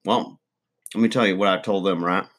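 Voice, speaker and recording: A man's voice: sits low, steady tone, brisk, fairly bright tone. A man playing a crude, boastful middle-aged redneck uncle, rambling folksy advice in a comedy monologue.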